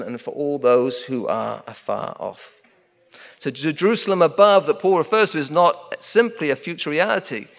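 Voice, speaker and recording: A middle-aged man preaches from a pulpit microphone, his voice carrying a long church reverb. He speaks at an ordinary pitch and leans hard on repeated phrases, slowing down to drive each one home. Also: a bit bright. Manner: emphatic, repeating key phrases, slowing down for weight. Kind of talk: sermon. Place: church sanctuary at a wooden pulpit.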